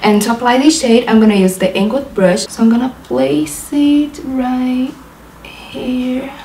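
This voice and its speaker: Chatty young Brazilian woman, mellow voice. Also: sits high, fairly even intonation, unhurried, echoey room, a little hiss or hum. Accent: Brazilian Portuguese. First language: Portuguese. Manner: chatty, laughs often, describes each step. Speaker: beauty vlogger. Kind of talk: makeup tutorial chat. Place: apartment in a big city.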